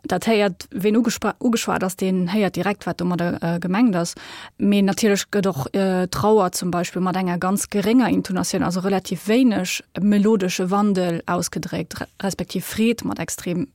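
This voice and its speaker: A young woman with a Luxembourgish accent, a linguist guest explaining her research in a radio studio, measured and full of fillers. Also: lowish voice, fairly even intonation, a little mellow, no room sound.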